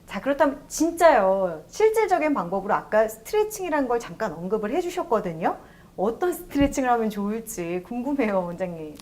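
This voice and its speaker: A woman hosting a TV health program, asking a doctor questions in a bright, engaged way and wrapping up for viewers. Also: on the high side, sing-song, brisk. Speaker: host. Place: studio.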